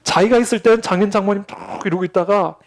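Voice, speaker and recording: Man, pastor, sunday sermon, storytelling, acts out voices, gravelly, high voice. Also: fast talker.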